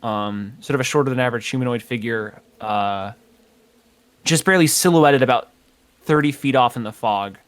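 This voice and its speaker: A man's voice: mid-range voice, moderate pace. A man narrating as game master of a tabletop game, hesitant and full of filler words. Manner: hesitant, full of ums and kinda.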